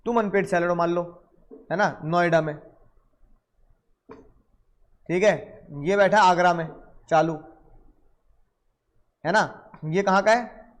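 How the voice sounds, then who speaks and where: A man with a fairly high voice teaches a law lecture, firing questions at the class. He slips into quick acted exchanges between buyer and seller to make the point. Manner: lively, questions the class and acts out little dialogues.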